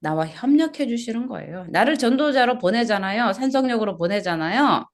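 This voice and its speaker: This woman pastor speaks a little fast in an animated, slightly high voice while preaching an expository sermon to a small congregation. She repeats key words and asks the people questions.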